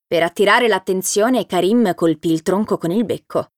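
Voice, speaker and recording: A woman narrating a children's storybook in a steady, clear reading voice. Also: medium pitch, moderate pace, dry recording, studio quality.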